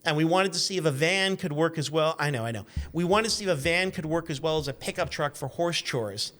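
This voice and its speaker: Rambling, self-deprecating man, slightly high voice. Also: animated, brisk, a bit bright. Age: 50s. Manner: rambling, digressive. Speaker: guest, car magazine editor and former radio intern. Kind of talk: casual anecdotal chat.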